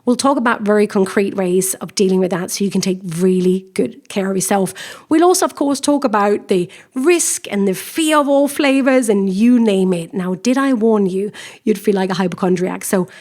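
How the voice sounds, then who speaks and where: A woman in her forties from Denmark with a Danish accent, a career coach hosting her own podcast and talking straight to the listener in a lively, encouraging way. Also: medium pitch, normal speed. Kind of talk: solo podcast monologue.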